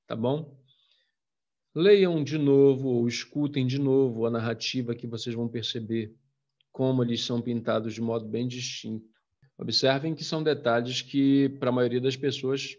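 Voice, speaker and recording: A man's voice: mid-range voice, a little mellow. Brazilian man lecturing, slightly muffled audio. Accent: Brazilian Portuguese. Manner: explanatory, addresses students as "gente", frequent "né?" and "tá?". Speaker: literature teacher. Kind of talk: recorded video lecture.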